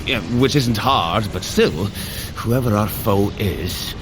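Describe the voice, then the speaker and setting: A man's voice: fairly low pitch, animated, takes it slowly, background noise. An actor playing a bold, battle-eager male warrior god in a fantasy audio drama, speaking in commanding, formal heroic diction as he coaches a workout. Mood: grave. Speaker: character coaching listener through a workout.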